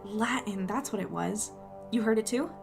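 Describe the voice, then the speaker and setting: A woman plays a plucky young female editor in an audio drama. She is wry and self-deprecating, thinking out loud in a mid-pitched voice. Soft music sits underneath. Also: moderate pace, gravelly, close to an everyday voice. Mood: startled. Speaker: lead actor and narrator. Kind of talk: audio drama acting with first-person narration.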